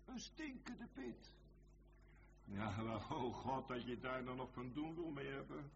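A man preaching a fervent sermon, leaping between high excited bursts and low tones, with many restarts. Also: normal speed, vocal fry, noisy background. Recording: reverberant hall, dull lo-fi sound.

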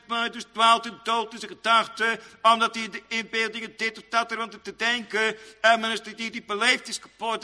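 A man preaching a sermon in old-fashioned churchly phrasing, rambling, repeating himself and pausing with many fillers. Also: high voice, bright, forceful tone, long reverb tail.

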